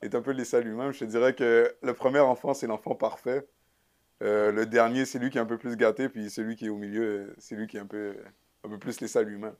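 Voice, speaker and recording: A man's voice: mid-range voice, flat delivery, fast talker, darkish tone. A young man from Canada, a guest musician, answering interview questions in an easygoing, casual way. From Sherbrooke, Canada. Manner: easygoing, laughs lightly.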